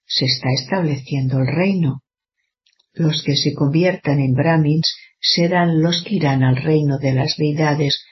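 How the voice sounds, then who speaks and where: Measured reader of a sermon, dull lo-fi sound. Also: medium pitch. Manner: measured, even, addresses listeners as children. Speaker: reader of a spiritual discourse. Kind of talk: formal scripted reading of a sermon.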